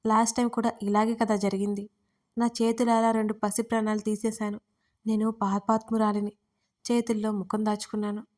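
A woman's voice: medium pitch, completely flat delivery, a little fast, a little mellow. A woman narrating a first-person audio story in an earnest, emotional way.

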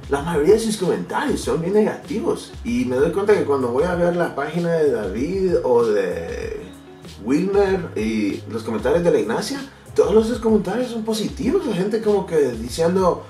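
A lively man in his thirties talks straight to camera at home, gesturing as he goes and often stopping to hunt for the right word in a language that is not his first. His voice sits at an ordinary pitch and bounces around an echoey room. He is heard a little off-mic, with faint music underneath. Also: distant mic. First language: English. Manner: animated, gestures a lot, searches for words and restarts. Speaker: vlogger. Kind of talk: casual vlog to camera. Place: bedroom or home office, indoors.

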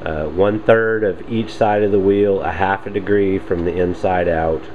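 A man with a low, deep voice talks plainly through his workshop steps, unhurried and practical. He is recorded on a handheld camera in a home shop, with a clear hum of machines and air behind him. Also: fairly even intonation, phone-quality sound. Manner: plain step-by-step explaining, unhurried. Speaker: hobby machinist reviewing a tool. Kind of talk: casual workshop demonstration. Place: home workshop with lathe and bench. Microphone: handheld camera mic, speaker off screen.

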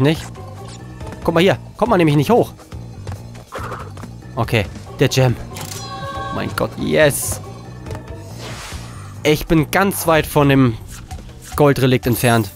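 A medium-pitched man hosts a let's play, commentating live from his desk indoors. He grows frustrated and swears, then works to calm himself down.

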